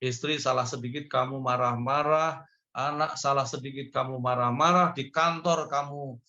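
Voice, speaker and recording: A man's voice: fairly even intonation, moderate pace, pushed and bright, muffled recording. A male pastor, preaching through stories and acting out the people in them with a raised voice. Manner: storytelling, acts out a man pleading in a high voice. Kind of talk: sermon over video call.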